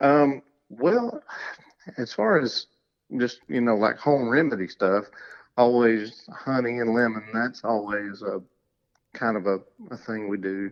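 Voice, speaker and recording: A man talks quietly at a fairly slow pace, with long, frequent pauses. His voice is medium in pitch and shows ordinary pitch variation. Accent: Southern US. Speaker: gospel quartet singer. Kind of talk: interview. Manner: quiet, laid back.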